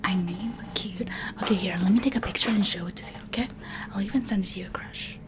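A woman's voice: mid-range voice, quick pace, noisy background. A woman in her twenties whispering a chatty, playful ASMR roleplay up close to the microphone. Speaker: ASMR video creator.

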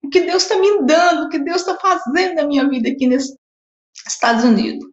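Tearful high-pitched Brazilian woman testifying. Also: a little fast, roomy sound, muffled recording. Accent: Brazilian Portuguese. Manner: fervent, tearful, repeats herself. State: crying. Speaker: testimony guest. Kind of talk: emotional religious testimony.

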